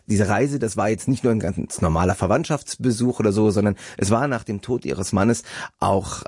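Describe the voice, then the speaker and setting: Deep, husky male radio host. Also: normal speed, no room sound, studio quality. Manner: calm, articulate, scripted intros. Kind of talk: radio interview and presentation. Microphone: studio microphone.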